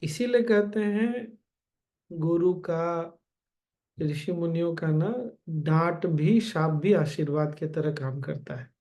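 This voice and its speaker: A man giving a gentle spiritual discourse as a teacher, calmly addressing his listeners directly. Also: a little high, slow.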